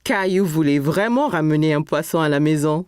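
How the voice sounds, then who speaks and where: A woman's voice: sits low, lively intonation, normal speed, darkish tone, clean tone, no echo, studio quality. A woman narrator reading scripted story narration for a French children's cartoon.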